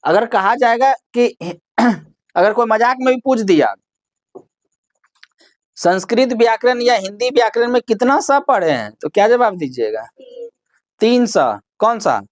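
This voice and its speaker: A woman's voice: a little high, lively intonation, unhurried, pauses often, dry recording, studio quality. A woman teaching a grammar lesson, asking her students questions and then answering them herself while repeating the key terms.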